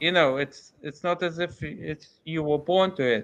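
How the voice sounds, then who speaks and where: Someone speaks very slowly in an Israeli accent. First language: Hebrew. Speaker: tech community guest. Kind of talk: casual chat.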